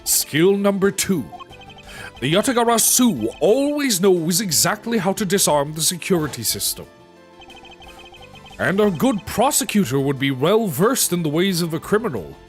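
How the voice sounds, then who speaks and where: A streamer playing a stern, composed male prosecutor who reasons aloud in formal, measured video game dialogue. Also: medium pitch, big pitch swings, faint music behind, natural voice. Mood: deductive, firm.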